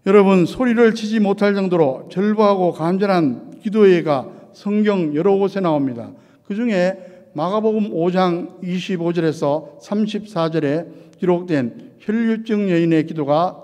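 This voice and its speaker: A man preaching an earnest sermon as pastor, his delivery moving from quiet to shouted lines. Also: sits high. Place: church sanctuary. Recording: long church reverb.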